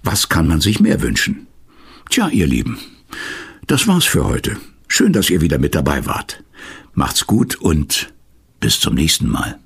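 An older actor playing the kindly narrator of a children's audio play, telling it in a husky voice. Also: male voice, very deep voice, huge pitch swings, a little slow, long pauses, exaggerated voice. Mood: warm, fond. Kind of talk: scripted storytelling narration with a fond sign-off.

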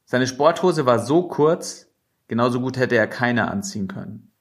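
A man's voice: medium pitch, expressive, normal speed. Male audiobook narrator. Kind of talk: scripted first-person narration.

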